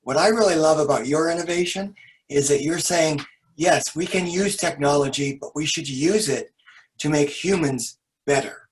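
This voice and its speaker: A man's voice: fairly high pitch, moderate pace, rough recording. A man moderating an online panel discussion, enthusiastic and encouraging.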